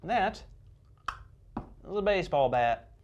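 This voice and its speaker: A woman presenting a children's church show, bubbly and excitable, with playful exaggerated banter. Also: lowish voice, takes it slowly, slight background noise.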